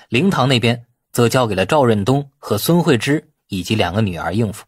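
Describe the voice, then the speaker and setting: A man's voice: mid-range voice, slightly rough, no echo, studio quality. A man narrating a novel as a scripted audiobook.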